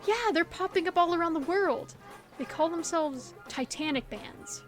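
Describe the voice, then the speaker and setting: A woman acting a gentle, hopeful best friend in an audio roleplay, talking to the listener in an earnest, reassuring, conversational way. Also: very high-pitched, normal speed, music in the background. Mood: excited, hopeful. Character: gentle, hopeful female best friend comforting her secret crush. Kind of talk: scripted audio roleplay, intimate one-sided dialogue to the listener.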